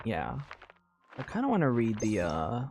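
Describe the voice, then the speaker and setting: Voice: medium pitch, wildly swooping pitch, measured pace, darkish tone. A game streamer chatting informally and reading a story aloud, stumbling over words and commenting along the way. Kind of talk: casual livestream chat mixed with read-aloud storytelling. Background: music.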